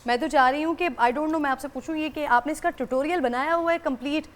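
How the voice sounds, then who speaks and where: A woman hosting a religious TV talk show, warmly praising her guest and asking him long questions. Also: high-pitched. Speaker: TV show host.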